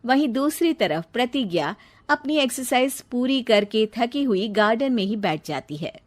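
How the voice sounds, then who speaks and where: Steady woman storybook narrator. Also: on the high side, normal speed.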